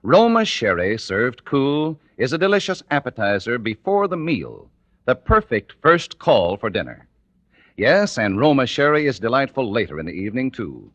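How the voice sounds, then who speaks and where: A man reading a 1950s radio commercial as the announcer, in a smooth, persuasive way. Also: mid-range voice, big pitch swings, normal speed, a bit bright, dry recording. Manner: smooth, persuasive, sing-song. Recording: dry, dull old radio recording.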